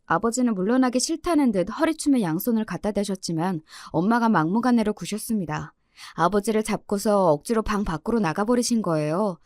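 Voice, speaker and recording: A woman narrating a true-life story in an expressive, lively reading. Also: medium pitch, brisk, no room sound, studio quality.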